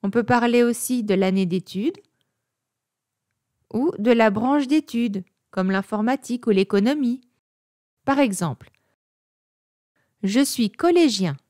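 A woman teaches vocabulary in a slow, carefully measured delivery. Her fairly high voice moves up and down, giving the scripted lesson a lively shape. The recording is dry and close. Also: dry recording.

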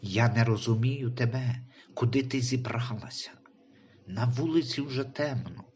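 A man's voice: mid-range voice, unhurried, a little mellow, muffled recording, slight background noise, close to an everyday voice. A man voicing a worried, caring husband in a Christian audio story, speaking anxiously.

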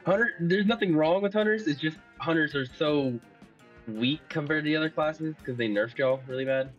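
A man's voice: a little high, normal speed, lo-fi sound, faint music behind. A young man coaching a shooter game over voice chat, explaining loosely with lots of fillers.

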